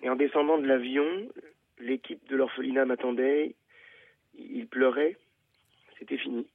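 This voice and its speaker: Un homme jouant un auditeur hésitant et bafouillant qui appelle une émission. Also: male voice, mid-range voice, steady tone, moderate pace, no room sound, close to an everyday voice. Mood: hesitant. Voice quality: hesitant, stammering. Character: shy, halting adopted man calling in. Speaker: caller. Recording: tinny phone line.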